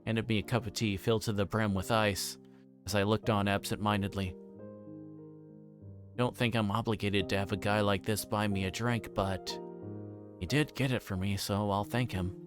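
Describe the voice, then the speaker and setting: Low-voiced man reading a visual novel aloud. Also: fairly even intonation, normal speed, pauses often, music in the background. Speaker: streamer.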